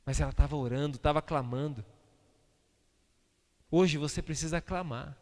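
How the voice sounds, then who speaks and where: A man, preaching a sermon as pastor, swinging between loud outbursts and hushed asides. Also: fairly high pitch, normal speed. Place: church sanctuary. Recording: reverberant church hall.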